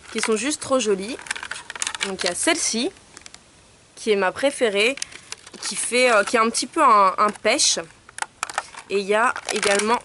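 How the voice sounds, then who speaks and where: A woman's voice: a little high, background noise. A young woman chatting casually in a haul vlog, showing products with many hesitations. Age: young adult. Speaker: beauty vlogger.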